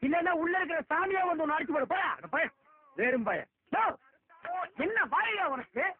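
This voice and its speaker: A man in a film comedy scene, scolding and mocking others with quick insults. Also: extremely high pitch, sing-song, a little hiss or hum. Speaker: comic film actor. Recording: tinny lo-fi film audio.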